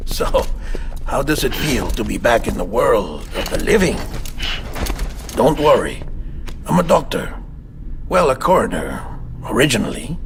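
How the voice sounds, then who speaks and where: Chatty coroner doc, gravelly voice that jumps around a lot, faint hiss behind. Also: male voice, medium pitch, sing-song, a little slow, long pauses. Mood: reassuring. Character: eccentric male coroner doctor, chatty. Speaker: doctor. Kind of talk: video game cutscene acting.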